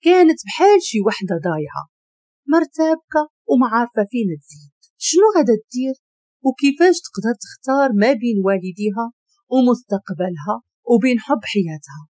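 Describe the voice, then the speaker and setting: A woman with a Moroccan accent narrating a romantic story in an expressive, dramatic way. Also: on the high side, no room sound.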